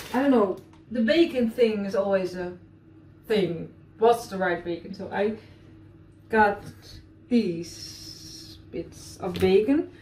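Over light background noise and audible room echo, a woman speaks at a very slow pace with long, frequent pauses and big swings in loudness. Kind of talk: casual cooking vlog chat. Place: kitchen. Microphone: camera far.

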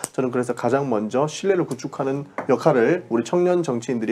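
Against light background noise, a man talks at a fairly quick pace and fairly high pitch with ordinary pitch variation. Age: 20s. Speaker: parliamentary candidate, former student activist; candidate. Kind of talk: interview. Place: studio. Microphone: lapel.

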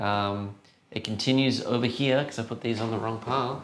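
Someone with an Australian accent speaks at a moderate pace, with audible room echo. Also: man. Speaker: retail livestream host presenting collectibles. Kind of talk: casual live-stream product showcase. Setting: studio live stream. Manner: animated. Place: shop. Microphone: lapel.

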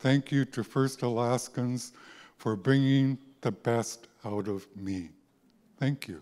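A man speaks very slowly in a dark, mellow tone, with ordinary pitch variation against a quiet background. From Alaska Native. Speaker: audience member and elder; audience member commenting. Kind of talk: public remarks. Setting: stage with audience. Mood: heartfelt, grateful. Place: hall. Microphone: handheld.

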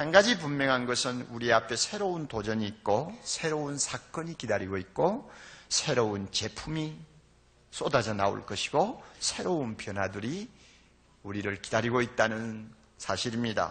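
The man's intonation is lively. He talks fairly slowly. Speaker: pastor. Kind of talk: sermon. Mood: earnest, reflective. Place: church. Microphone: podium.

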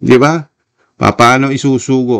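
A man talks in a normal speaking voice at a medium pitch and a moderate pace. The sound is dry and close, with no echo. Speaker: Bible teacher on a YouTube channel. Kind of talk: Bible study answering viewer questions. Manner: polite, formal.

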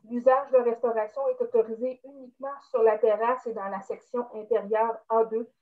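Over a quiet background, a woman speaks at a moderate pace in a monotone, flat intonation. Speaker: municipal council member. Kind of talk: formal reading of a resolution. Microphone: video call.

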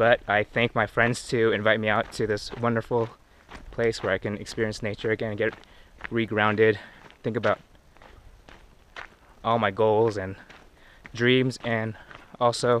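A man's monotone, flat delivery at a moderate pace with long, frequent pauses, in a dry recording with no echo and light background noise. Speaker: hiker vlogger. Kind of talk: casual vlog chat. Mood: reflective, grateful. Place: forest. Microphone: phone near.

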